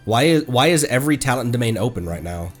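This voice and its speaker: A man chatting casually on a live game stream, playful and quick to react excitedly. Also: mid-range voice. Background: video game music.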